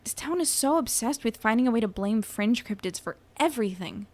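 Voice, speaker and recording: A woman's voice: a little high, animated, fairly quick. A woman playing a defiant, protective monster investigator, firm and assertive, in a naturalistic audio drama. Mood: indignant.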